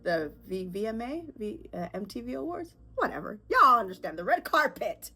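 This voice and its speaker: A woman's voice: on the high side, sing-song, normal speed, sharp tone, slightly rough. A sick, stuffed-up woman hosting her own podcast, talking candidly and rambling with fillers. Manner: candid, chatty, rambling with fillers and nervous laughs. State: congested, sick with a sore throat. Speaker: podcast host. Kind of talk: casual solo podcast talk.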